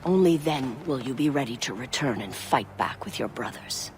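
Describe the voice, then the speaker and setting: A woman playing a stern tribal elder and spiritual guide in a video game, speaking in a solemn, deliberate, commanding way. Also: extremely low pitch, lively intonation, darkish tone, a little hiss or hum. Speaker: game character giving guidance. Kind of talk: dramatic video game voice acting. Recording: music behind the voice.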